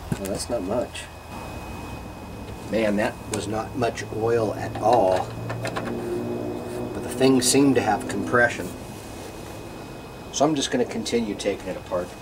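A man talks at a moderate pace with a fairly low pitch and ordinary pitch variation. His speech has long, frequent pauses, and noticeable background noise is present. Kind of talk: tutorial. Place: street. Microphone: camera far.

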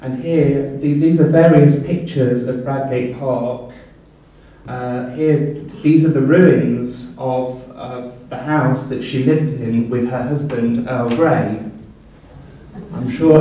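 A man with an East Midlands accent at a very slow pace, ordinary pitch variation, audible room echo and light background noise. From England. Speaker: English teacher. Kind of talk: public lecture. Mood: light, humorous. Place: hall.

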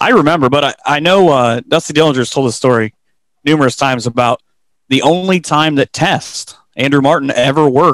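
A man with an ordinary speaking voice talks at a fairly quick pace, his pitch fairly high and ordinary in its variation, his loudness very even, all in a dry, close sound with no echo. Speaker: wrestling announcer. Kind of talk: casual chat.

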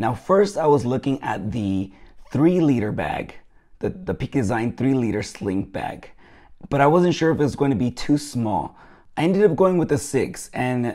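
A man speaks at a moderate pace with very wide pitch swings. The background stays quiet. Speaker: product reviewer. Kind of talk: product review vlog. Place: home room. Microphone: lapel.

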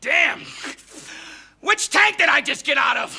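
A man is shouting. He speaks with an American accent. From United States. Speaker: comedian. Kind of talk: stand-up comedy on TV. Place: stage. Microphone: lapel.

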